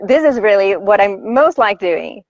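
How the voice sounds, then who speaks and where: A woman's voice: medium pitch, animated, normal speed, no room sound, muffled recording. A woman from Brazil, a voice actor, answering interview questions in a thoughtful, easy-going way. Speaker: voice actor guest. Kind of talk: live online interview.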